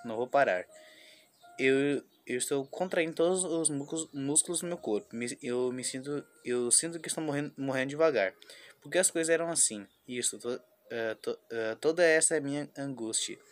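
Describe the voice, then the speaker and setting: A man's voice: mid-range voice, close to an everyday voice. A man doing Sayori, a despairing schoolgirl. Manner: halting, restarts words while reading. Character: despairing young schoolgirl, anxious and self-blaming. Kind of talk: reading a visual novel aloud.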